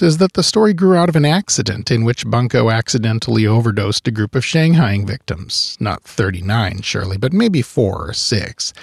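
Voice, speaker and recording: A man's voice: mid-range voice, creaky, no echo. A man telling a local history tale in scripted narration, with wry, dry humorous asides. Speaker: history podcast host.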